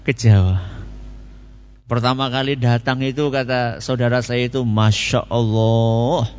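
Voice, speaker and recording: A man's voice: mid-range voice, steady tone, moderate pace, a little mellow, long reverb tail, lo-fi sound. A man giving a Quran commentary lecture, telling stories and asking questions he answers himself. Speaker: preacher.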